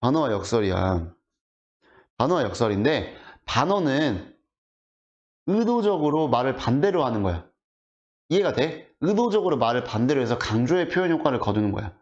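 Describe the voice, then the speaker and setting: Lively teacher explaining poems. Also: male voice, medium pitch, normal speed. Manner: rhetorical questions to students, colloquial and animated. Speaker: high school Korean literature teacher. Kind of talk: online exam explanation lecture. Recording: dull lo-fi audio.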